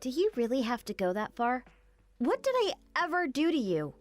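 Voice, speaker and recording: A patient young wife pleads earnestly with her cruel in-law, as a woman voices her. Her voice sits a little high and moves with lively ups and downs. Faint music runs under this animated story. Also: normal speed, no room sound. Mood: pleading. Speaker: daughter-in-law.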